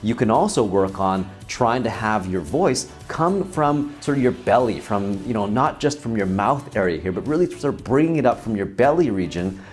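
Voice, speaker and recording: A man coaching people on presentation skills in an instructional video. He speaks clearly and acts out each tip as he explains it. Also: fairly low pitch, lively intonation, moderate pace, hardly any pauses, soft background music. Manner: clear teaching delivery that shows each tip by example.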